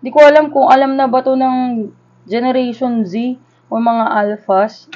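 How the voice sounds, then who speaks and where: This vlogger is a Filipino woman in her thirties whose voice sits high, with a steady tone and a measured pace, and there's a little hiss or hum. She reminisces casually in Taglish while unboxing a collectible. The overall sound is dull and lo-fi.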